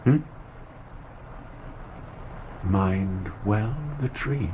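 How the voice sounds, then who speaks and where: A man acting an impatient, sardonic husband in a radio drama, clipped and dryly evasive. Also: drawn-out words. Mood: weary, impatient. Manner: clipped, dry, irritable. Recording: noisy radio play, rumbling car behind.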